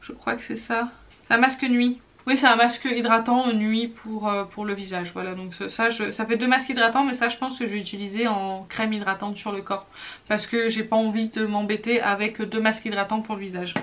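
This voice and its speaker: A woman's voice: a little high, steady tone, fairly quick, fairly bright tone. A woman in her thirties chatting casually about beauty products in a vlog, teasing herself, with lots of fillers and restarts. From France. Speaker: beauty vlogger.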